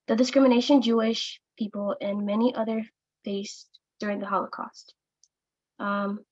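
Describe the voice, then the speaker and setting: A teenage girl, a student on a panel, answering haltingly as she searches for her words. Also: fairly high pitch, a little mellow, no room sound, lo-fi sound. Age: teens.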